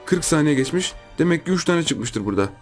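A man hosting a gaming channel, giving lively gameplay commentary, repeating himself and yelping in surprise while chatting to his viewers. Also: fairly high pitch, fast talker, soft background music. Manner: excitable, repeats phrases, shouts in surprise; chatty, addresses viewers as friends.

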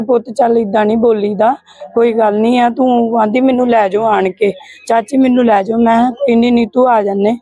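A woman's voice: a little high, mellow, no room sound. A Punjabi woman, the victim's aunt, answering a reporter and steadily recounting phone calls. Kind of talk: interview answers.

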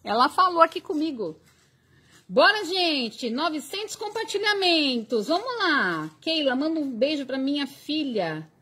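A woman's voice: high-pitched, big pitch swings, unhurried, sharp tone. A Brazilian woman teaching crochet on a live stream, chatting and reading viewer comments aloud. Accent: Brazilian Portuguese.

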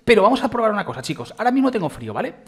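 Fast-talking excitable Spanish man gamer. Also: sits high, breathy edge. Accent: Spain Spanish. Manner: excitable, exclamatory, rambling. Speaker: gaming youtuber. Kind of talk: let's-play gameplay commentary.

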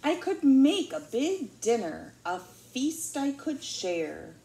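A woman's voice: high-pitched, very animated, takes it slowly, gravelly, mellow, voice pushed up, full character voice. A woman voicing a glum, sighing bear. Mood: wistful. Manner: sighing, woeful. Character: lonely, glum male bear. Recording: roomy echo.

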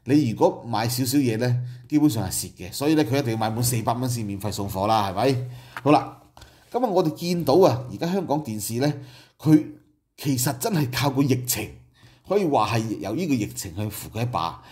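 A middle-aged man with a Hong Kong Cantonese accent talks through company figures in a relaxed commentary style. His voice sits at an ordinary pitch and has a warm, mellow tone. He adds asides and rhetorical questions as he explains. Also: fairly quick. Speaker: political commentary host. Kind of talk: casual commentary.

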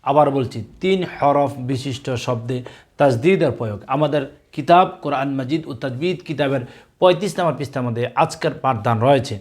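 A male teacher giving a recorded Quran reading lesson for young children, spelling out Arabic letters slowly and loudly and repeating each word several times. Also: medium pitch. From Bangladesh. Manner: slow, loud drilling of Arabic letter spelling with repetitions.

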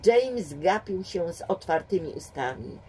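A woman reading a crime story aloud at home in a calm, measured fireside style. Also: lowish voice, a little hiss or hum. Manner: calm, measured narration with acted dialogue. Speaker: audiobook reader. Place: home, simple setup. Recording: distant home mic.

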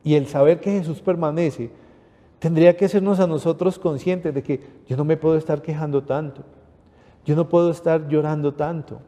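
Dark-voiced Panamanian priest preaching. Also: male voice, fairly high pitch, steady tone, moderate pace, big-room sound. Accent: Panamanian Spanish. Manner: earnest, repeatedly addressing listeners as brothers. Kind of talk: sermon.

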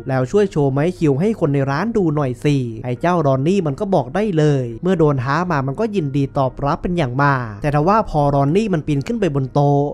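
Guy doing a chatty movie recap, voice a bit on the high side, slangy nicknames for everyone. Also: lively intonation, fast talker, hardly any pauses, a little mellow. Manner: chatty and colloquial, calls characters by playful slangy nicknames. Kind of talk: casual spoken movie recap.

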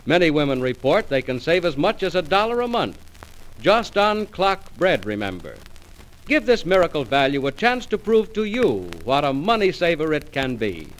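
A man's voice: a little high, big pitch swings, moderate pace. A man announcing in polished, persuasive 1940s radio style, reading from a script. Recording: noisy old radio broadcast recording.

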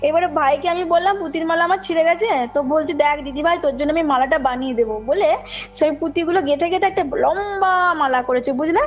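High-voiced woman storyteller on muffled call. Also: a little fast. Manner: emphatic, checks the listener follows. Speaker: caller telling a personal ghost story. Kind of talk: animated informal storytelling. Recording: muffled call audio under loud music. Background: background music.

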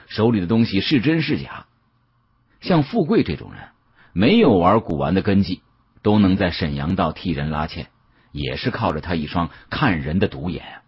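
A man with a husky voice narrating an audiobook story in a dramatic storytelling style. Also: low voice, lo-fi sound.

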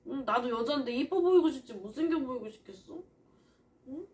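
A woman's voice: high voice, animated, fairly quick, darkish tone, distant mic, slight background noise. A woman co-hosting a live stream, complaining in a sulky, tearful voice. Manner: sulky, complaining, voice breaking into tears. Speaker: streamer co-host. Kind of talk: casual chat on a live stream.

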